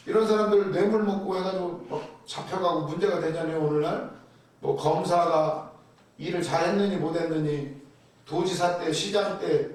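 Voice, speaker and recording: High-voiced man preaching in an echoey hall. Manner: animated, asks the congregation rhetorical questions. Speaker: pastor. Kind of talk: sermon. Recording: very echoey hall, mic far off.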